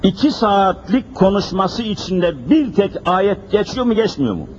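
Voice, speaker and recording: A man's voice: high voice, big pitch swings, measured pace, darkish tone. A man preaching a sermon at a pulpit microphone, emphatic and full of repeated rhetorical questions. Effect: speaking at a pulpit microphone. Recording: dull lo-fi recording with faint hiss.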